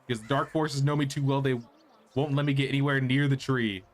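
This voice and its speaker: A man's voice: mid-range voice, fairly even intonation, a little fast, a little hiss or hum, natural voice. Man acting out mystical quest-giver, solemn, cryptic, instructive, medieval video game dialogue. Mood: grave, instructive. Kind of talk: reading game character dialogue aloud.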